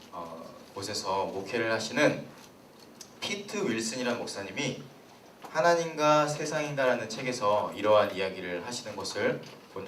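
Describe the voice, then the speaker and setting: A young man, a pastor, giving a sermon to a youth congregation in a lively storytelling way and putting questions to the listeners. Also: medium pitch, slight background noise. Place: church hall. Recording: roomy hall, voice from a distance.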